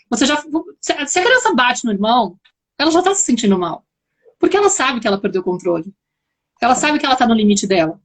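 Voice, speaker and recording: A woman with a Brazilian accent hosting a live video chat, explaining her points in a thoughtful way. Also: high-pitched. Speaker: host.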